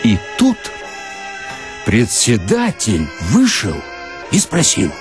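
A man giving a dramatic, expressive literary reading, with theatrical and deliberate phrasing. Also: mid-range voice, over music. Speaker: actor reading short stories.

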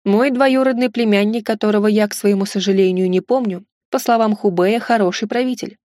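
A woman reading the part of a polite older Chinese courtier in an audiobook, in a courteous, measured tone. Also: medium pitch, fairly even intonation, warm tone, no room sound, clean studio sound, close to an everyday voice.

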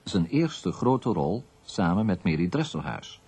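Husky, lowish-voiced radio narrator, male. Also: very animated, a little slow, warm tone. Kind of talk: scripted biographical radio narration.

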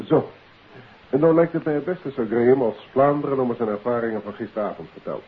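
An actor playing a formal, matter-of-fact police inspector in a 1950s Dutch radio play. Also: male voice, medium pitch, a little fast, breathy edge, close to an everyday voice. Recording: tinny, muddy old radio recording.

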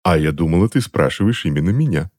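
A cool, mocking middle-aged aunt who doesn't look up from her book, speaking in an unhurried, dry voice without a trace of sympathy, as a male narrator voices her. The voice is slightly lifted above the reader's low voice, with lively intonation. It sounds like a storybook reading. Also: dry recording. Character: cold, sarcastic middle-aged aunt, unsympathetic.

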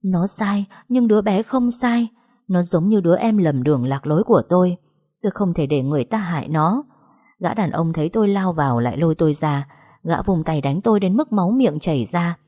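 A woman narrates a first-person story with a measured, dramatic delivery. Her voice sits on the low side for a woman. The reading is steady and deliberate.

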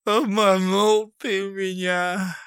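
A man's voice: high-pitched, flat delivery, fairly bright tone, clear, resonant tone, dry recording, studio quality, voice pushed up, full character voice. A weepy simple-minded man. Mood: tearful. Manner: weepy, drawn-out pleading. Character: tearful simple-minded man, childlike and plaintive.

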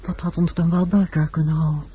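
An actress in a Dutch radio play playing a troubled, searching lover, questioning and hesitant. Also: female voice, low-pitched, little pitch movement, fast, warm tone, breathy edge. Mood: pleading, insistent. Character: troubled, searching woman lover confronting her man. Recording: dull, noisy old radio drama recording.

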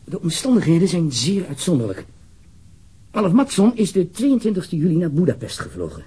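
An actor playing a pompous, self-important ministry official in a radio drama, fussy and emphatic in delivery. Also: male voice, sits high, huge pitch swings, warm tone, breathy edge, heavily acted. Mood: grave, self-important. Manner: fussy, emphatic, halting, swearing.

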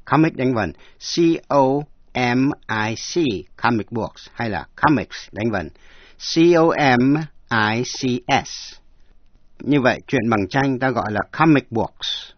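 A man's voice: medium pitch, expressive, slow pace, dry recording, muffled recording. A man narrating an English lesson, explaining words and spelling them letter by letter. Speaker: language teacher.

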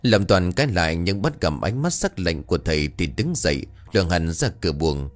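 A man narrating a scripted horror story in a dramatic, expressive way. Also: sits low, a little fast. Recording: faint background music.

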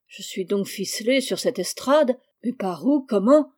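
Woman doing a bullying schoolmaster, loud, blustering, mellow tone. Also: medium pitch, animated, unhurried. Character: stern bullying male schoolmaster. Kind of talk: audiobook reading.

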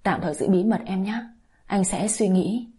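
A woman's voice: medium pitch, moderate pace, slightly rough. Việt, a woman voicing a torn young husband. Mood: gentle. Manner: soft, weary.

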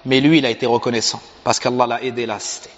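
A man preaching a sermon as a story, animated and asking his listeners questions. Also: mid-range voice, rapid-fire. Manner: animated, asks the audience questions. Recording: reverberant hall, dull sound.

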